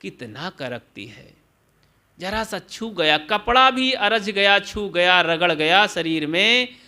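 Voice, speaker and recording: A man's voice: high voice, lively intonation, takes it slowly, sharp tone. A man giving a sermon, declaiming and listing vices and virtues one word at a time. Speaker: preacher.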